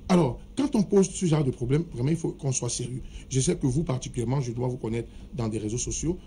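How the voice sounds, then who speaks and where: A man's voice: medium pitch, lively intonation, quick pace, dark tone, slightly rough. A man arguing his point in a heated studio debate, insisting that he be allowed to finish speaking. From Cameroon. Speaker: political debate panelist.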